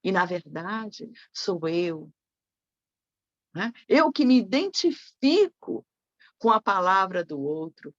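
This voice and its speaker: A woman's voice: mid-range voice, big pitch swings, slow pace, dry recording. A woman giving a reflective spiritist sermon, often tagging her phrases with a questioning "né". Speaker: spiritist lecturer. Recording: dull lo-fi dry recording.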